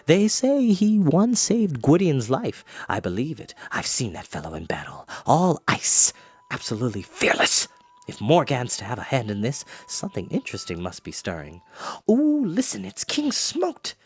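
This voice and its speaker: A man voicing an excitable, theatrical male bard, a warm-hearted boaster with a gushing, exclaiming manner, for a storybook. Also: mid-range voice, measured pace, breathy edge, full character voice. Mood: awed, confiding.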